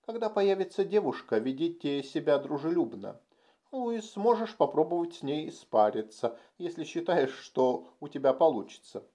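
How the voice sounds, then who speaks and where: A man voicing a timid but cunning alien puppeteer in an audiobook, speaking in a calm, precise, scheming way. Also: fairly high pitch, normal speed. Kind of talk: audiobook character voice.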